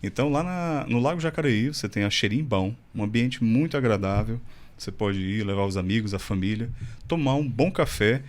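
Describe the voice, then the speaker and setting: Chatty podcast host, mid-pitched. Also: male voice, fairly quick. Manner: friendly, chatty, light joking. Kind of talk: casual interview chat.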